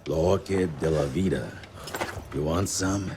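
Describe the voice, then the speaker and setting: An actor voicing a gruff, foul-mouthed veteran monster hunter who talks dryly, as in a video game cutscene. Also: male voice, rumbling low, measured pace, background noise.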